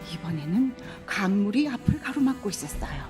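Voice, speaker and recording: Over music in the background, a woman with a fairly high pitch speaks at a fairly slow pace. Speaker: storyteller. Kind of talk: children's story reading.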